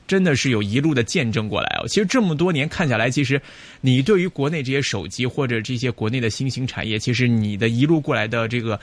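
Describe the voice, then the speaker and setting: Male live-interview host, mid-pitched, effusive. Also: fast, dry recording. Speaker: radio host.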